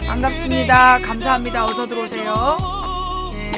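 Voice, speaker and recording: A woman's voice: on the high side, flat delivery, normal speed. Chatty middle-aged woman live-streamer, music behind. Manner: chatty, thanks viewers by name, bursts into mock outrage. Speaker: live-stream talk show host. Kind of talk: casual live-stream chat.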